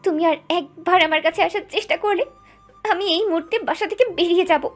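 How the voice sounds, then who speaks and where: A woman's voice: very high-pitched, brisk, faint music behind. A woman voicing a hot-tempered young wife in an audio drama, with biting, accusing outbursts. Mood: furious.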